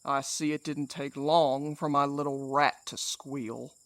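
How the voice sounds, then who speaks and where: A man's voice: mid-range voice, flat delivery, unhurried, a bit bright, no echo, studio quality. A man playing a menacing, mock-courteous supernatural villain in an audio drama. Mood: smug, measured. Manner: drawling, theatrical, mock-polite. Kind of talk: audio fiction drama acting.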